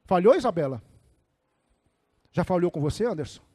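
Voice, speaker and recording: A male pastor preaching a sermon with animated storytelling, calling on his listeners by name. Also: high voice, moderate pace. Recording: echoey hall reverb.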